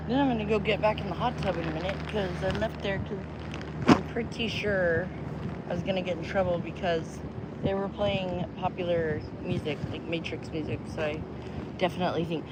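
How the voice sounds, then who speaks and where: A woman's voice: lowish voice, fairly even intonation, brisk. A woman from New Mexico chatting casually on a live stream outdoors at the beach, greeting viewers and rambling between tarot readings. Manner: chatty, bubbly, rambling, laughs easily. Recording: outdoor phone audio, loud wind noise. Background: wind and loud outdoor noise.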